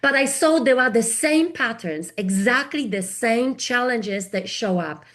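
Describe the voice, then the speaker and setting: A woman's voice: fairly high pitch, lively intonation, unhurried, a bit bright. A middle-aged woman from Poland with a Polish accent, hosting a live webinar and talking directly to the viewers typing in the chat. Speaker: webinar host and project consultant.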